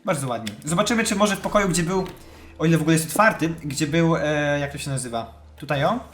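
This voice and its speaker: Male let's-play host, lively swooping intonation, slightly high voice, chatty horror-game commentary. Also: fast talker. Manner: excitable, chatty, shouts when scared. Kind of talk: live gameplay commentary.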